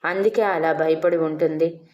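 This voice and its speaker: A woman voicing a grown son in an audio story, calming his father down. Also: low voice, normal speed, dull audio, lightly acted. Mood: soothing.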